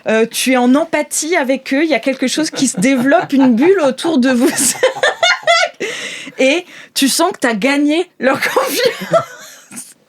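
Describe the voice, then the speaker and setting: High-voiced woman running a roleplaying game. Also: sing-song, unhurried, noisy background. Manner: informal, improvising aloud. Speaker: game master. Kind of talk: improvised narration of a tabletop roleplaying game.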